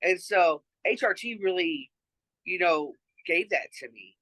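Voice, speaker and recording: A trans man talks through his experiences in a relaxed interview, earnest and reflective, often pausing on fillers. His tone is bright and forward. The sound is dry and close, with no room around it. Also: high voice, dry recording, rough recording. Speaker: interview guest. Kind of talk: casual conversational interview.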